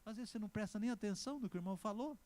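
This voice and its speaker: A man's voice sits high as he preaches a sermon as pastor, speaking with a Brazilian Portuguese accent. He is emphatic, trading loud exclamations for slow, stressed words, and keeps urging the congregation to respond.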